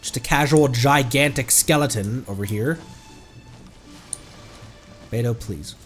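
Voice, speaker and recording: A man's voice: mid-range voice, measured pace. A man giving casual, playful commentary on a game livestream. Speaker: streamer. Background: game music.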